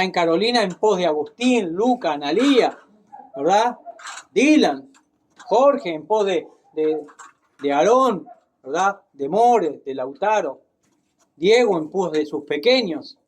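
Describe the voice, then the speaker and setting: A man preaches at an unhurried, measured pace. He keeps checking in with his congregation and lifts into dramatic emphasis when he reads from the Bible. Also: on the high side. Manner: deliberate, tag questions, dramatic Bible reading. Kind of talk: sermon.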